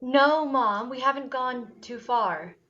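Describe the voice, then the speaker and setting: A woman's voice: high-pitched, slow, a bit bright. A woman playing a troubled, innocent, obedient teenage girl, hesitant and subdued, in a dramatic screenplay reading. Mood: reassuring, meek. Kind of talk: dramatic screenplay table read. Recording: dull lo-fi virtual call sound.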